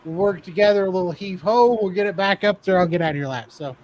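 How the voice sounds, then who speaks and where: A man's voice: high-pitched, fast, darkish tone, slight background noise, rough recording. A man casually telling a funny story about himself, laughing often as he goes. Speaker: guest telling his weight-loss story.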